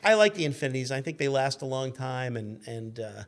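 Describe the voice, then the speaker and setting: A man's voice: medium pitch, big pitch swings, fairly quick. A man in his fifties telling stories casually as a guest, correcting himself as he goes. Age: 50s. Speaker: guest, car magazine editor. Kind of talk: casual conversational storytelling.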